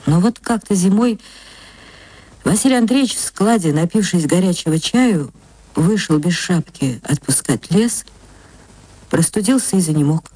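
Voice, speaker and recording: Woman narrator reading a classic story, slow and measured, old radio tape. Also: fairly low pitch, animated, mellow, husky, no echo, low-quality recording. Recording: archival radio recording.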